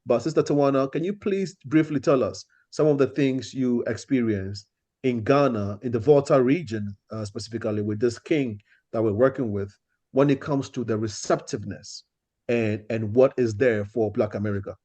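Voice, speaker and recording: A man's voice: mid-range voice, moderate pace, a little mellow. A man hosting an organization meeting, speaking earnestly and often restarting his sentences. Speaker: host of the meeting.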